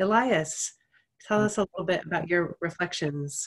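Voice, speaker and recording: Her speech moves at a moderate pace. Behind her, everything stays quiet. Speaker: panel moderator. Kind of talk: panel discussion. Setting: video call. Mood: warm, thankful. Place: home room. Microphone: video call.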